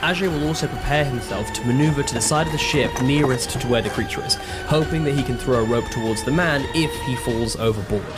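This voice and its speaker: Man narrating his game move, loud music. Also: mid-range voice, quick pace. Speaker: tabletop roleplay player.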